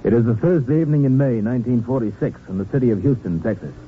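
A man's voice: medium pitch, fast, narrow, tinny audio. A man narrating a scripted 1950s radio drama on a thin vintage recording.

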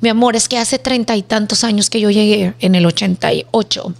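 A woman tells her story in an interview, animated and acting out the dialogue she quotes. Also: mid-range voice, brisk, creaky. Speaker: business owner guest.

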